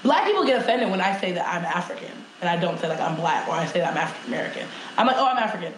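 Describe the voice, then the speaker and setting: A woman from Nigeria co-hosting a casual chat, animated and joking in quick banter. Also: lowish voice. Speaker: co-host. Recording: roomy echo, faint noise.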